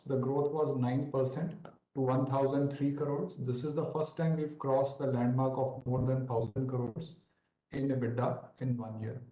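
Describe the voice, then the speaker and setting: A man with an Indian accent formally presenting financial results on an earnings call in a measured, orderly way. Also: medium pitch, warm tone. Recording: roomy, dull conference call audio.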